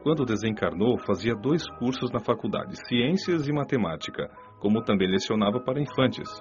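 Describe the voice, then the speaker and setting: An actor with a Brazilian accent playing a kindly, wise male spirit mentor, explaining things in a measured, didactic way for a radio drama. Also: mid-range voice, expressive, natural voice. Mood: encouraging. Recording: lo-fi band-limited audio, music behind. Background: music.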